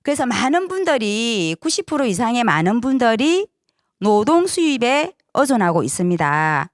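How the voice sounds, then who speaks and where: A woman's voice: fairly high pitch, sing-song, moderate pace, dry recording, clean studio sound. A woman presenting a sales seminar to an audience, persuasive, often asking for agreement with short tag questions.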